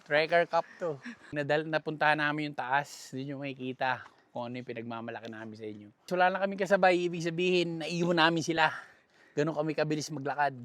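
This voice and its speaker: A man's voice: a little high, fast, a bit bright. A man hosting a casual hiking vlog, out of breath and joking as he talks to his viewers. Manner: joking, addresses viewers directly. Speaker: travel vlogger. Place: outdoor mountain trail.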